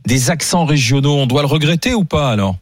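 A male radio host leading a studio discussion, chatty and quick to jump in. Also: a little high, lively intonation, dry recording. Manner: chatty, jumps in often. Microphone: studio microphone.

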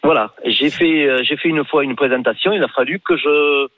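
A man with a Toulouse accent phoning into a radio talk show, speaking hesitantly with many pauses. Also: fairly high pitch, no room sound. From southern France. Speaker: caller. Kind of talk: phone-in call. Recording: tinny phone line.

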